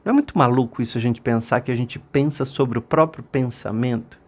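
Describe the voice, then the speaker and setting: A man with a Brazilian Portuguese accent giving a motivational self-help talk, animated and storytelling. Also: medium pitch, brisk. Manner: animated storytelling, acts out voices in his stories.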